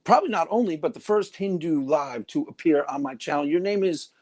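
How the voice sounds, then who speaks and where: A man's voice: on the high side, brisk, a little mellow. A man hosting a live-stream interview, asking curious, chatty questions and laughing easily. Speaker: host.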